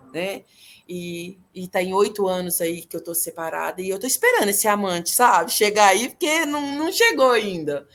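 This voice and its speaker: A middle-aged Brazilian woman giving an earnest, emotional personal testimony in an interview. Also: mid-range voice. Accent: Brazilian Portuguese. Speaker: guest telling her story.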